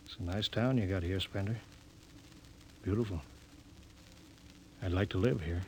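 An actor playing a reasonable, steady space captain with a measured, earnest, terse delivery in 1950s radio drama style. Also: male voice, low voice. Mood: regretful, quiet. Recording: noisy vintage 1950 radio recording.

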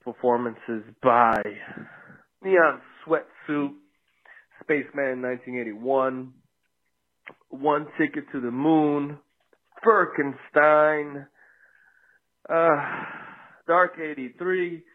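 Male caller, leaving a voicemail, tinny phone line, slow laid-back talk. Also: fairly high pitch, steady tone. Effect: voicemail played over the phone. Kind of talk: casual voicemail greeting.

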